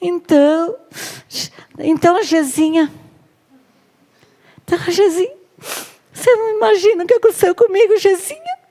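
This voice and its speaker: A woman's voice: extremely high pitch, mellow, pitched above the performer's own voice. Woman putting on a whiny sulking king. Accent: Brazilian Portuguese. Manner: whining, pouting, drawn-out complaints. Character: sulking whiny biblical king, grown man.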